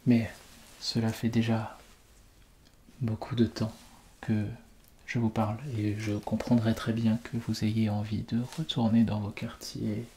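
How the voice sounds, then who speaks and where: Soft, slow, low-voiced man, soothing ASMR. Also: completely flat delivery, slight background noise. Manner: polite, formal, soothing, often drifting into whisper. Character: courteous, reassuring male vault shelter official welcoming a resident. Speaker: ASMR performer playing a fallout-shelter host. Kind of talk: soft-spoken ASMR roleplay.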